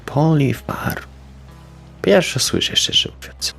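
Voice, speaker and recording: A man's voice: on the high side, animated, slow pace, creaky, a bit bright, husky, faint music behind. A man speaking in character in a tabletop roleplaying game, hesitant and jumpy, slipping into whispers. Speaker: player.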